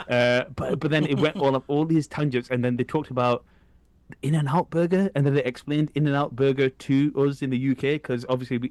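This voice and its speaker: A man speaks with a British accent at a fairly high pitch and a fairly quick pace. His loudness stays very even, his intonation fairly even, and the sound is dry and close with no echo. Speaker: comics writer. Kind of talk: casual chat. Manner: halting, many repeats.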